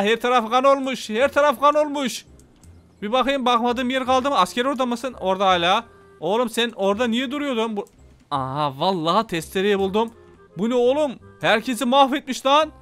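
A man with a Turkish accent giving excitable, casual gameplay commentary, talking to his viewers and swearing playfully. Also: extremely high pitch, clear, resonant tone. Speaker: gameplay YouTuber.

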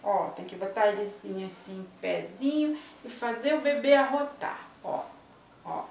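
A woman in her fifties vlogs from her home kitchen, chatting to camera in an affectionate, talkative way and tagging her lines with little check-ins like "né" and "ó". Her voice is medium-pitched, a little mellow and creaky, with fairly even intonation at normal speed. A laptop or webcam at arm's length picks her up in an echoey tiled kitchen, with a little hiss or hum.

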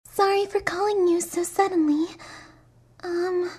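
A woman voicing a timid, gentle schoolgirl in an anime fan dub, hesitant and apologetic. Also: very high voice, fairly even intonation, measured pace. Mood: shy, nervous. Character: timid gentle teenage schoolgirl, hurt but self-effacing.

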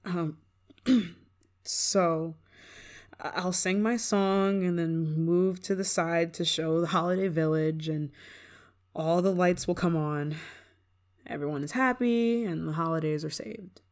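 Woman acting out a tsundere young woman, lowish pitch, prickly, sighing, homesick, secretly soft, ASMR roleplay. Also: takes it slowly. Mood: sullen, resigned. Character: prickly homesick young woman performer, softening toward old friend. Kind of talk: ASMR roleplay, acted monologue to listener.

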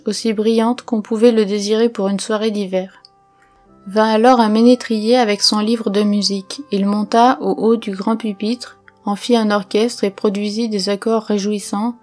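A woman narrating a classic story for an audiobook in a measured, even reading. Her pitch sits mid-range and barely rises or falls. Faint instrumental music plays behind her. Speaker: audiobook reader. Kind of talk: scripted narration.

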